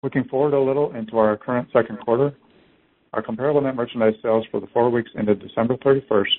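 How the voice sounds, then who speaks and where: A man with a medium-pitched voice delivers a scripted earnings-call presentation as a company executive, speaking at a quick pace in a steady tone. The conference call phone line makes the audio narrow and tinny.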